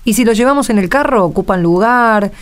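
A woman's voice: fairly high pitch, animated, brisk, lightly acted. An actress with an Argentine accent playing a practical, talkative, country-raised poor mother in a radio play. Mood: chatty, practical. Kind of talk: radio drama acting.

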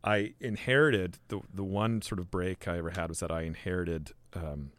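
A man's voice: deep voice, fairly even intonation, moderate pace, no room sound. A man in his forties, a filmmaker guest on a podcast, telling his story casually with lots of restarts and fillers. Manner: rambling, many restarts and fillers.

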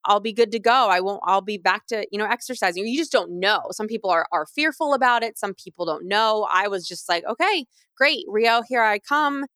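A woman in her thirties, a retired athlete, telling her story candidly and earnestly, often restarting phrases and turning lively when she quotes others. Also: medium pitch, fairly quick, hardly any pauses, no room sound, clean studio sound.

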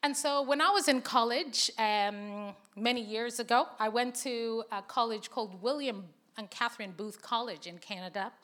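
Bright chatty woman from Zambia. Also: fairly high pitch, normal speed, few pauses. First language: not English. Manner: chatty, laughing, audience banter. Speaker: conference speaker. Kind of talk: sermon with casual asides. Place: large conference hall.

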